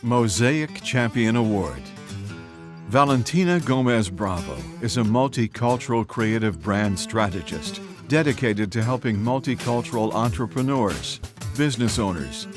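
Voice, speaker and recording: A man reading a slow, deliberate scripted voice-over as an announcer. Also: mid-range voice, animated. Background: guitar music.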